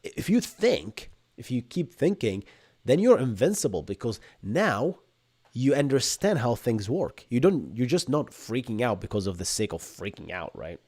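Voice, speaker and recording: A man in his thirties from Bahrain with an Arabic accent, hosting a live-streamed tech Q&A from a home room and explaining things in energetic bursts, often tagging on "right?". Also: medium pitch, moderate pace, slightly rough. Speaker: podcast host. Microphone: desk microphone in front.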